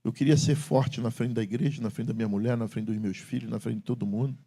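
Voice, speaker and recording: Man, middle-aged pastor, church sermon, emphatic then hushed and confiding. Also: fairly even intonation, fast. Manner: swings from loud emphatic preaching to low confiding talk. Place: church sanctuary.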